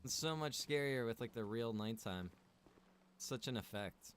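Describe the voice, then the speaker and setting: A man's voice: medium pitch, unhurried, a little hiss or hum. A man streaming a survival game, chatting casually and rambling to his viewers while he plays. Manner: relaxed, rambling, greets chat viewers by name.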